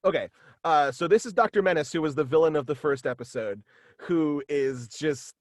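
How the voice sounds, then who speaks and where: Chuckling frequently, the writer of a superhero radio play talks in a slightly high voice at a moderate pace as a guest on a home video call. His manner is hesitant yet eager, and the audio is clean studio quality with no room sound.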